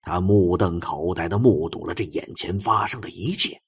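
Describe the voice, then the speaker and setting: Male audiobook narrator for suspense fiction: low, very raspy voice, theatrical, swinging from hushed to forceful. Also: moderate pace.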